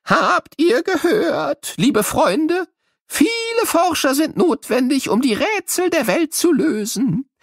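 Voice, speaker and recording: High-pitched, excitable old professor, cartoonish, playful exclamations, drawn-out words, dry studio sound. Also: male voice, creaky, dry recording, full character voice. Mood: playful, proud. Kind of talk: children's educational audio play.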